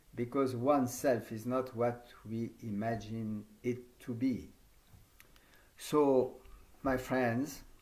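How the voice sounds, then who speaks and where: In a French accent, a man at a medium pitch speaks very slowly in a flat monotone, with long, frequent pauses and audible room echo. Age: 70s. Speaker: yoga teacher trainer. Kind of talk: conference talk. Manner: formal.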